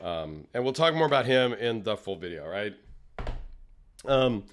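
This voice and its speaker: A man hosting a casual solo vlog, chatty and rambling, his voice a little raspy and tired from travel. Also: fairly low pitch, big pitch swings, a little slow. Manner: rambling, self-deprecating, chatty. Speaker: knife channel host.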